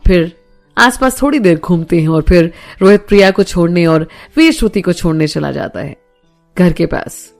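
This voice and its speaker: Woman narrator, audio story, gravelly voice, faint music behind. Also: lowish voice, normal speed, a little mellow.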